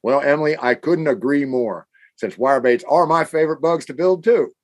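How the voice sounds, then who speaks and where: A man's voice: fairly high pitch, moderate pace. An enthusiastic man from the American Midwest, co-hosting a casual scripted chat. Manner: enthusiastic, animated. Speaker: podcast co-host.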